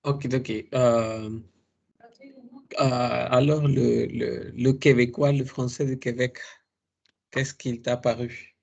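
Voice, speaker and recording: Man, French tutor, raspy, gravelly, patient explaining, lots of fillers. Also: medium pitch, level tone, a little mellow, dull audio. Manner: explains patiently, imitates accents, halting with many fillers. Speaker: French teacher.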